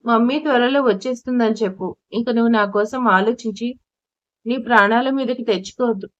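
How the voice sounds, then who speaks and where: A captive young wife, tearful but determined, promising her husband she will not be afraid, as a woman storyteller reads her in a fairly high voice. It is an audio storybook reading on a muffled, lo-fi recording. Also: a little fast, natural voice. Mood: tearful resolve. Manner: pleading, resolute. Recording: dull lo-fi recording.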